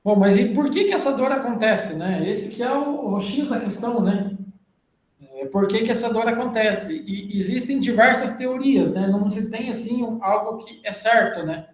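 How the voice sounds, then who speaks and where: A man with a fairly high voice and a Brazilian Portuguese accent leads an academic presentation. He explains in long stretches and keeps checking in with tag questions. The room around him sounds echoey. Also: moderate pace. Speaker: journal club presenter. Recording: roomy echo.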